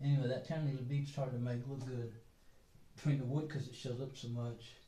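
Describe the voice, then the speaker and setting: Somewhat breathy voice with a dark, mellow tone, fairly quick pace, monotone, flat intonation and audible room echo. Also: man. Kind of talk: casual tutorial narration. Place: bathroom. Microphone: phone near.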